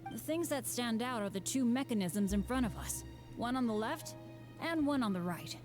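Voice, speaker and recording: A woman's voice: on the high side, lively intonation, moderate pace, darkish tone, faint music behind, lightly acted. A woman playing a cheerful, confident young female adventurer in a video game, speaking expressively and thoughtfully. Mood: thoughtful, cautious. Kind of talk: scripted video game voice acting.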